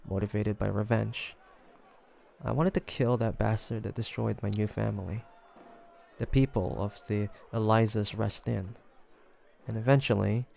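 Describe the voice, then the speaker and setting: A man playing a guarded young demon hunter in an intimate audio roleplay, hesitant and confiding, with a softer side showing through. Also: on the low side, gravelly.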